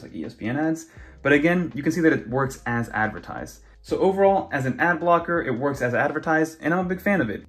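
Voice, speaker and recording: A young man casually walking through tablet browser features in a chatty, conversational way. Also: medium pitch. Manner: chatty, conversational, many fillers. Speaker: tech YouTuber. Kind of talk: casual screen walkthrough.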